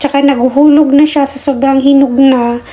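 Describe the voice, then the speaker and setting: Over noticeable background noise, a woman talks in a high voice. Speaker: vlogger, housewife. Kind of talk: casual vlog narration.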